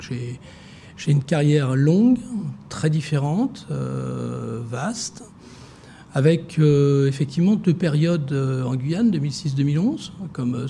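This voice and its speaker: A man answers interview questions in a gravelly, dark-toned voice, pausing often on fillers and restarting his sentences. He speaks as the director of a social security fund. Faint noise sits under the recording. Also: medium pitch. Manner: hesitant, many fillers and restarts.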